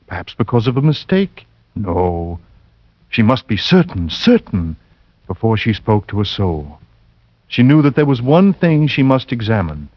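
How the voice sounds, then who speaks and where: Man narrating old-time radio suspense, mid-pitched, measured and tense. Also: dry recording. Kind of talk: 1940s radio drama narration. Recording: dull vintage radio recording.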